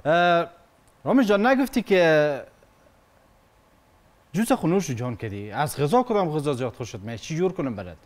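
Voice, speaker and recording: Lively, effusive male cooking-show host. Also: on the high side, pauses often. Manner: effusive with praise. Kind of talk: casual TV chat. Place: indoor TV studio kitchen set.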